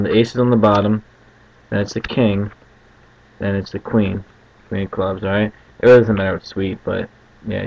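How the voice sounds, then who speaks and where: A man's voice: on the low side, gravelly. A man giving casual card magician patter as he explains a trick step by step, often checking in with short tag questions. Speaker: card trick tutorial host. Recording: muffled lo-fi home recording with faint noise.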